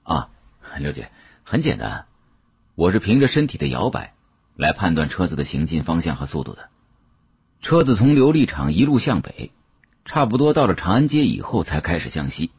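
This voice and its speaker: A man voicing a sharp, cautious young antique dealer in an audiobook, deferential and quick-witted as he explains. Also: low voice, sing-song, breathy edge, no room sound, muffled recording, exaggerated voice. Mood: confident, polite.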